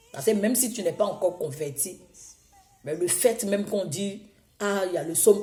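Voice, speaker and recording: Woman preacher, hoarse from a cold, low voice, mellow tone, emphatic and repetitive. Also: reverberant. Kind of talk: sermon.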